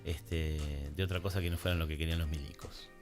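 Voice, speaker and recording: A man's voice: sits low, little pitch movement, fast, over music. An Argentine man co-hosting a radio show, telling anecdotes in a rambling, informal way. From Punta Alta, Argentina. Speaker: radio co-host. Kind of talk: casual anecdotal chat.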